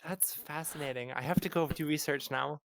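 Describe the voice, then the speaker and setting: A woman's voice: low voice, brisk, vocal fry. A trans woman co-hosting a podcast, chatty and jokey, with a light Californian accent. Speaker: podcast co-host. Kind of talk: casual chat.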